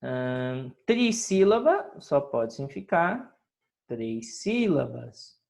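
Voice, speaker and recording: Slow sing-song teacher woman. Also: a bass voice, very animated, vocal fry, darkish tone. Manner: patient, drawn-out, sing-song teacher talk with frequent checks like "ok?". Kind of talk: recorded lesson going over homework.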